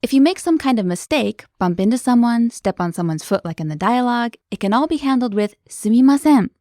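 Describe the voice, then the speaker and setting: A woman's voice: on the high side, animated, a little fast, dark tone, dry recording, studio quality. Upbeat woman hosting a language lesson. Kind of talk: scripted lesson dialogue.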